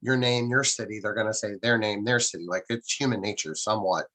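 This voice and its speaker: A man's voice: fairly low pitch, fast talker, fairly bright tone. A man interviewing a guest casually, informal in manner, recapping and asking questions as host.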